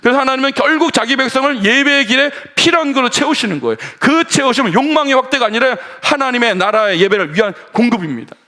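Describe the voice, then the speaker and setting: A man preaching a sermon, his voice pitched high and swinging widely up and down. He keeps asking the congregation questions. Now and then he slows and drops his voice to act out imagined speech. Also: expressive. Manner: voices imagined dialogue in a hushed, slowed tone. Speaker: pastor.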